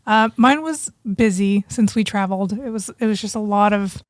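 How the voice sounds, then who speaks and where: A woman's voice: medium pitch, normal speed, no echo, clean studio sound. A woman co-hosting a podcast in casual, informal conversation, with plenty of slang and some mild swearing. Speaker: podcast co-host.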